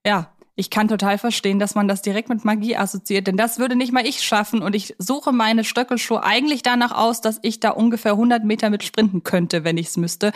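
A woman's voice: mid-range voice, steady tone, brisk, few pauses. An adult woman co-hosting a podcast, talking casually about films in a colloquial, playfully chatty way. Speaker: podcast co-host. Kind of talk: casual film discussion.

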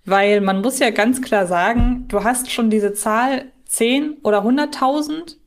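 A woman's voice: fairly high pitch, a little slow. A woman co-hosting a podcast, explaining things thoughtfully in a casual discussion. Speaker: podcast co-host.

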